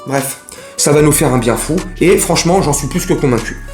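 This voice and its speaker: A man's voice: on the high side, animated, quick pace, a little mellow, reverberant, soft background music. A man chatting casually about football transfers, rambling and joking in slang and speaking straight to his viewers. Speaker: football vlogger. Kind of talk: casual mercato chat to camera.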